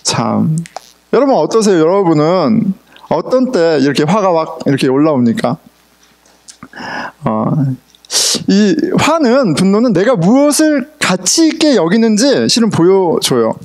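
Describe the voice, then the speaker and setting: Lively high-voiced pastor preaching. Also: male voice, unhurried. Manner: conversational, asks the congregation questions, mixes in English words. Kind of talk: sermon. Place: church sanctuary.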